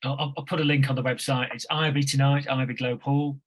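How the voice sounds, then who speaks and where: A man's voice: medium pitch, little pitch movement, fairly quick. A man from a touring theatre show chatting casually on a video call. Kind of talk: casual chat.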